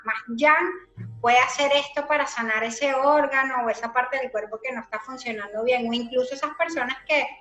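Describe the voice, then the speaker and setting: A woman's voice: sits high, normal speed, a bit bright, muffled recording. Woman interviewer, thoughtful long questions, faint music behind, echoey. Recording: roomy echo.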